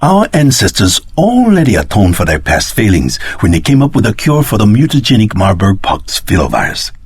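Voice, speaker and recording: Very husky, solemn elder. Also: male voice, fairly low pitch, wildly swooping pitch, brisk, no echo, studio quality, heavily acted. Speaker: voice actor in a video game. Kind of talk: scripted video game voice acting.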